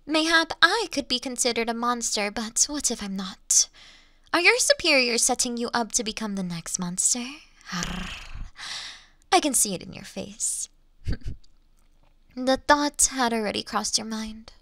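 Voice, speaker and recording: A woman's voice: a little high, lively intonation, unhurried, sharp tone, dry recording, exaggerated voice. A woman playing a refined female monster who toys with a hunter in a Victorian fantasy audio roleplay, speaking in mocking, formal, old-fashioned phrases and often slipping toward a whisper. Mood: sly, probing.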